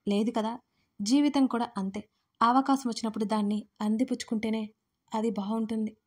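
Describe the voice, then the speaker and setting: A woman narrating an audio drama series in steady, emotive storytelling. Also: a little high, fairly quick, breathy edge.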